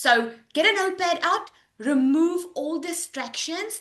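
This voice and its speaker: A woman speaks in a raised, projected voice with a bright, sharp tone. Her intonation is lively. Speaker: online business coach. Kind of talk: live webinar presentation. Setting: Zoom video call. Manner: fast; animated.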